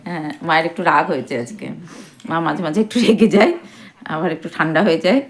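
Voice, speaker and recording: A woman's voice: sits low, quick pace, crowd noise. A middle-aged woman chatting casually to her viewers at home, teasing and affectionate, talking to camera on a phone. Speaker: vlogger. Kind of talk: casual home vlog chat. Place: at home, bedroom and kitchen.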